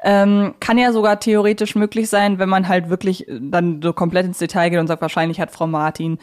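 A woman's voice: on the low side, flat delivery, a little fast, a little mellow. A woman co-hosting a podcast in casual fan chat, talkative and keen on small details. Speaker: podcast co-host.

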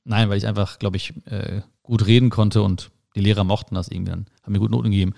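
A man's voice: fairly low pitch, flat delivery, fast, gravelly, a little mellow. A young adult man hosting a podcast, giving reflective advice in a casual monologue and speaking straight to the listener. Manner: reflective, talks straight to the listener, acts out little dialogues. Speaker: podcast host.

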